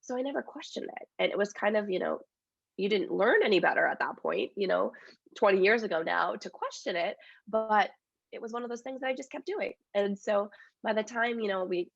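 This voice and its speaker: A woman's voice: mid-range voice, animated, brisk, creaky, no echo, lo-fi sound. A woman in her thirties with a cold and a congested voice, chatting openly as an interview guest about her work and life. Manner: open, chatty, many fillers. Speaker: dietitian and author, interview guest. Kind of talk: casual interview chat.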